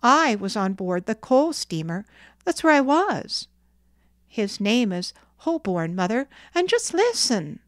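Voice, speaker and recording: A woman's voice: on the high side, very animated, takes it slowly, no echo, clean studio sound. A woman voicing a cocky, boastful young boy in a storybook, chatting in a lofty, eager way.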